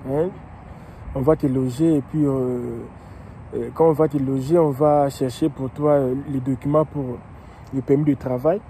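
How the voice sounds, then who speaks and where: A man from Congo who vlogs about immigration, explaining slowly and repetitively with many hesitations, outdoors in a city. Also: medium pitch, fairly even intonation, dark tone, slight background noise. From Democratic Republic of the Congo. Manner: slow and repetitive, with frequent hesitations and restarts. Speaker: immigration vlogger and coach. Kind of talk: casual explanatory monologue.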